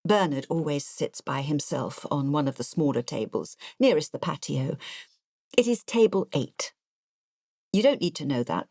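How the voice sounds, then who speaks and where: A chatty, low-voiced elderly Englishwoman. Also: a little mellow, no echo, clean studio sound, full character voice. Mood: confiding, digressive. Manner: confiding, digressive, matter-of-fact. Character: chatty, artless elderly retired English nurse, diarist. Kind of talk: audiobook first-person narration.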